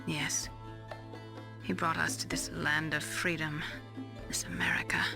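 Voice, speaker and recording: A woman voicing a wounded, bitter scientist in a video game, baring her past in a halting, emotional and intense way. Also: deep voice, level tone, vocal fry. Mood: bitter, grieving. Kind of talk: dramatic video game voice acting. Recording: dramatic music behind the voice.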